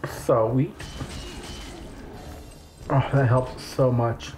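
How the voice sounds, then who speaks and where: A man's voice: medium pitch, fairly even intonation, very slow, darkish tone, rough recording. A man making casual remarks as co-commentator while someone plays a video game. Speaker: co-commentator on a let's play. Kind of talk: casual gameplay commentary chat. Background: video game music.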